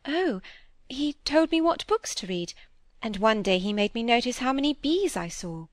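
Proud earnest young girl, read by a woman, pitched up, gets huffy fast. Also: lively intonation, no room sound, clean studio sound, lightly acted. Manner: earnest, quick to indignation.

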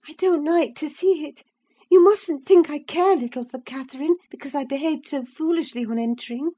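A fierce, wounded young woman, put on by a woman reading aloud, her voice pitched high and strained. She rushes through angry outbursts, breathless and spiteful. The tone stays soft and mellow under the agitation. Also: lightly acted. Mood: bitter.

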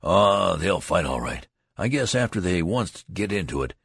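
A man's voice: deep voice, animated, normal speed, vocal fry, breathy edge, dry recording, full character voice. A man voicing a tall, boastful young soldier who talks in a folksy, lecturing way. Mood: knowing. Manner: folksy rural talk, lecturing.

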